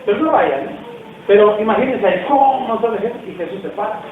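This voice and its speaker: A man's voice: high voice, expressive, brisk. A man preaching a sermon as pastor, talking casually and asking the congregation questions. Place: church hall. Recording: distant, echoey, tinny, faint noise.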